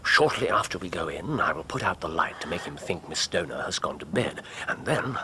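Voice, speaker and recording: An actor playing a sharp, intense Victorian detective who gives clipped, urgent commands. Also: male voice, sits low, lively intonation, brisk. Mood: instructing. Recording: noisy background hiss.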